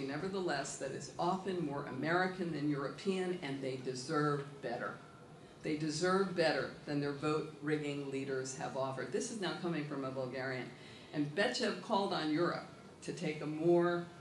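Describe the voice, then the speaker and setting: Man, slightly high voice, prepared remarks in a reverberant hall with light hiss. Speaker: speaker at an award ceremony. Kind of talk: prepared speech with quotations. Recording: echoey hall with faint hiss.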